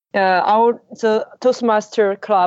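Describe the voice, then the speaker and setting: A woman talks at a fairly slow pace with fairly even intonation. She has a normal speaking voice. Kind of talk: casual interview.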